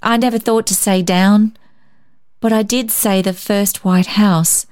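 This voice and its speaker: A woman's voice: mid-range voice, steady tone, measured pace, a little mellow, voice pushed up, close to an everyday voice. A woman voicing an earnest, eager little boy in a storybook reading. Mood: pleading, puzzled.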